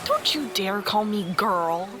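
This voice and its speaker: A woman's voice: mid-range voice, sing-song, slow pace, over music. A woman playing a sceptical, reluctant superheroine in an audio drama, with an exasperated, protesting manner. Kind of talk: fiction podcast acting.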